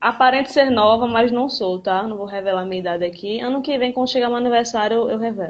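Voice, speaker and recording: With a Pernambuco accent, a woman talks at a very fast pace in a fairly high voice with ordinary pitch variation. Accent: Pernambuco Brazilian Portuguese. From Brazil, Recife (Pernambuco). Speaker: spiritist live-stream host. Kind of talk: casual live-stream chat.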